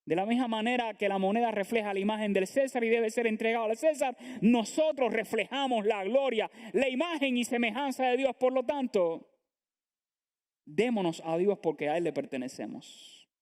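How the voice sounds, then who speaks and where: Earnest high-voiced man preaching. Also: normal speed, darkish tone. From Latin America. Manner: earnest preaching with rhetorical questions. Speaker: pastor. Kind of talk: sermon. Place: church sanctuary.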